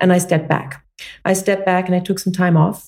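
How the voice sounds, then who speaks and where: A woman speaks with an American accent and a dark, mellow tone. Her pitch is fairly low. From United States. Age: 50s. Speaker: wellness coach and author. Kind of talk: interview.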